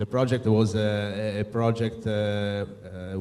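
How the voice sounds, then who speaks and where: Over noticeable background noise, a man with an Italian accent speaks at a fairly low pitch with monotone, flat intonation. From Italy. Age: young. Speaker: documentary filmmaker. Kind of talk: interview. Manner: halting, many fillers.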